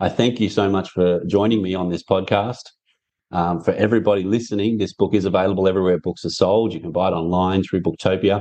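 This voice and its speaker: A man with an Australian accent and a very deep, low, dark, mellow voice talks at a very fast pace with fairly even intonation over a quiet background. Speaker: podcast host. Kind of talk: interview.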